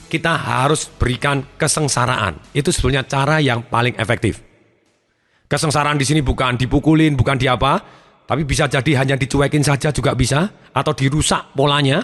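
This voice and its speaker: A man giving a motivational seminar talk, animated and addressing his listeners directly. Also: mid-range voice. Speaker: motivational speaker.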